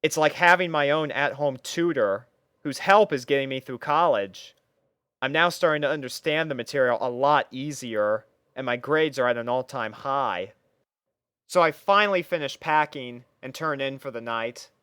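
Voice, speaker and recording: A man's voice: mid-range voice, moderate pace, fairly bright tone, clean tone, no echo, clean studio sound. A man reading scripted first-person story narration as the narrator.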